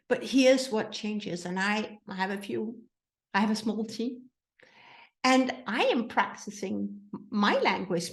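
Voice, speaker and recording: A woman's voice: medium pitch, echoey room. A woman from Denmark with a Danish accent, speaking as a mindset coach and host, putting many questions to her listeners. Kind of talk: motivational talk to listeners.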